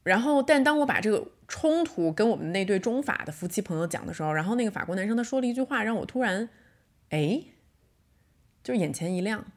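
A woman in her thirties hosting a casual solo podcast. She tells a story in a reflective way and slows down to stress her points. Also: medium pitch, lively intonation. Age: 30s. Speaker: podcast host.

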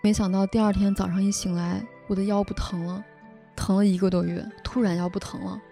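A young woman from Shaanxi telling a personal story in a casual podcast chat, animated and often laughing. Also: mid-range voice, a little fast, vocal fry, faint music behind. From Shaanxi, China. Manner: animated, laughs often, frequent tag questions. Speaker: podcast host.

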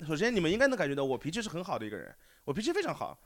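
A male guest in a casual chat, joking and animated, often laughing as he talks. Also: fairly high pitch, very fast.

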